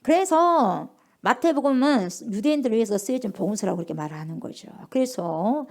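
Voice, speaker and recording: Middle-aged female pastor, fairly high voice, animated sermon with call-and-response. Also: brisk. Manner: lively call-and-response preaching, acts out dialogue.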